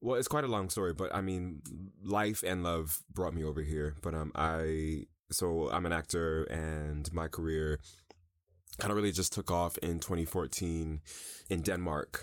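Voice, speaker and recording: On a very clean recording with a silent background, a man with a very deep, low pitch and a New York accent talks at a moderate pace with fairly even intonation. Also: very even loudness. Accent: New York American. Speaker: performing artist. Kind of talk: interview conversation.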